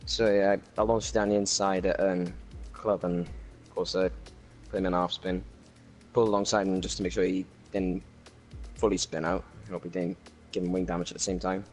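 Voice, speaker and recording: A man's voice: low-pitched, flat delivery, fairly quick, a little mellow, soft background music. A man with a Welsh accent talking casually about his race, with lots of fillers and restarts. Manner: rambling race recap with many fillers. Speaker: racing league driver. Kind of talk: casual post-race chat. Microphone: new home microphone.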